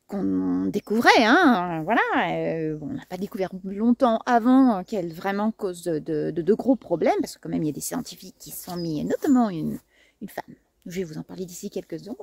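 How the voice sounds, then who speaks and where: A woman's voice: medium pitch, expressive, a little fast, gravelly, a little mellow. A woman hosting a casual gardening video outdoors, chatty and playful, tripping over words and laughing at herself. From France.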